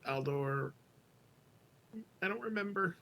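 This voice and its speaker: A man's voice: lively intonation, slow, creaky, bright, forceful tone. A man playing a tabletop game, chatting casually with a wry, grumbling manner. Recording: noticeable low rumbling background noise.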